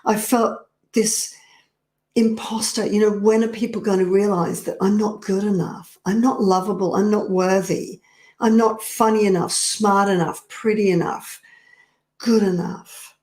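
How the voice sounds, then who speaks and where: Slow, earnest woman coach in a roomy space. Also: medium pitch, fairly even intonation, darkish tone. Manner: slow, earnest and confiding, addressing the viewer directly. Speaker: personal power coach. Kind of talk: direct-to-camera coaching talk. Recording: roomy echo.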